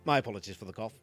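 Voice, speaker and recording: A man's voice: lowish voice, pushed and bright. A man streaming a game, chatting casually and explaining the mechanics as he plays, often restarting his sentences. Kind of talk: casual gaming commentary.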